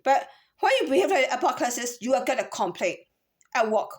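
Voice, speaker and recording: A woman from Myanmar talks to camera in a rambling monologue. Her voice sits high, and she keeps firing rhetorical questions and restarting her sentences. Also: big pitch swings, fairly quick. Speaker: vlogger.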